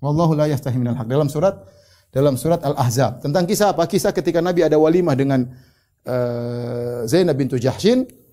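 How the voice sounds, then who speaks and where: Man giving an Islamic lecture, dark voice. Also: a little high, brisk. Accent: Indonesian. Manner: explains terms, retells stories with quoted dialogue. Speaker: Islamic preacher. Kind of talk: religious lecture.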